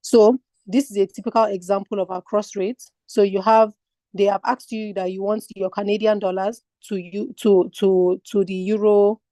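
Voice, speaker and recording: A woman's voice: medium pitch, little pitch movement, normal speed, mellow, no echo, studio quality. A woman from Nigeria teaching an online finance exam lesson, explaining step by step and asking her class rhetorical questions. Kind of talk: online lecture.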